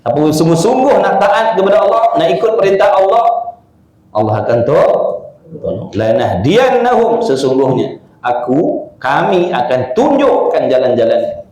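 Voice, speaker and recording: A man from Malaysia with a Malaysian Malay accent giving a religious lecture, reading from a book and explaining it with lively swings of pitch and rhetorical questions. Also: moderate pace. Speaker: religious teacher. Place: religious study house. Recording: echoey room.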